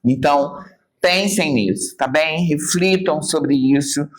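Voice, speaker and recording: A woman's voice: sits low, slow. A woman with a Brazilian Portuguese accent teaching a church Bible study, talking emphatically and expressively straight to her group. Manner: acts out quoted remarks in changed voices.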